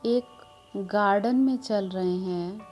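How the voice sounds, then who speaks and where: A woman guides a relaxation meditation at an extremely slow pace. Her tone is mellow and relaxed, and her delivery is soothing, with long pauses between phrases. Music plays behind her voice. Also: medium pitch. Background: background music.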